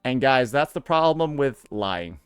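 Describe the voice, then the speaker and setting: A man's voice: medium pitch, expressive, measured pace, clear, resonant tone, no room sound, faint music behind. A man doing sarcastic, profane reaction commentary as a streamer, recorded on a close mic.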